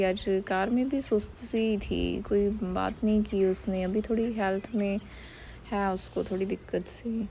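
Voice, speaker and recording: A woman's voice: medium pitch, warm tone, slight background noise. A woman in her thirties, a mother casually narrating her family's day and teasing her kids, recorded on a phone. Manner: chatty, scolding and teasing about her kids. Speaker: vlogger and mother.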